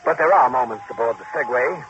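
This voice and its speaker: A man's voice: mid-range voice, a little fast, heavy background noise, natural voice. A man playing an uneasy amateur sailor in a suspense radio drama. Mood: uneasy, brooding. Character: male amateur sailor narrating his own uneasy scheme. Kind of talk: 1950s radio drama acting, suspense narration. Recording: muffled old radio broadcast.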